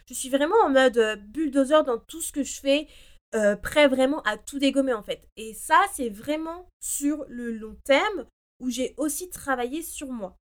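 A woman hosting a personal development show, talking informally and emphatically to listeners, swinging between loud and soft and dropping English phrases into her speech. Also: high-pitched. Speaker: personal development podcast host. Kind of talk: casual motivational monologue, informal address to listeners.

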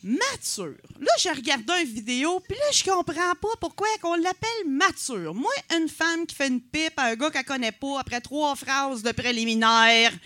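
On stage at a comedy night, a Quebec City comedian in her forties speaks with a Quebec French accent, joking at her own expense and using lots of fillers. Her high, bright, forceful voice is expressive, at normal speed with hardly any pauses, and has no echo.

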